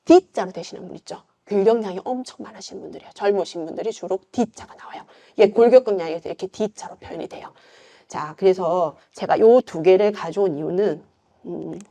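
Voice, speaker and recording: Warm in tone and medium in pitch, this woman speaks at a normal speed. She's a middle-aged yoga instructor with a Gyeongsang accent, chatting through an informal lecture with lots of fillers and rhetorical questions.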